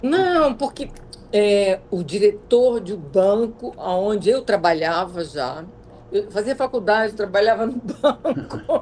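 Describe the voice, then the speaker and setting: Lively intonation marks this woman's fairly high voice. She talks at a very slow pace. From Brazil, Brasília (born in Florianópolis, left at 8). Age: 60s. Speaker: retired TV journalist. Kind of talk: interview, casual chat.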